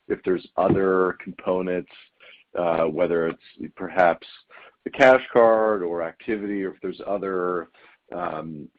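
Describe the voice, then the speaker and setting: A man asking questions as a financial analyst on an earnings call, polite and a little tentative. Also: low voice. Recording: muffled, lo-fi phone line.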